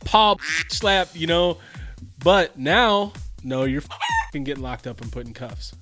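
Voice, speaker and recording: A man's voice: a little high, wildly swooping pitch, unhurried, sharp tone, faint music behind. A man co-hosting a casual podcast chat, laughing easily and often trailing off mid-thought. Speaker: podcast co-host.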